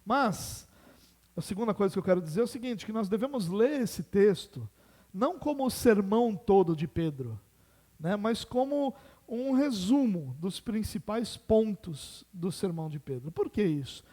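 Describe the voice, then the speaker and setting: A man's voice: high-pitched, lively intonation, normal speed, warm tone. A man with a Brazilian Portuguese accent preaching an expository sermon as pastor, explaining patiently and posing rhetorical questions.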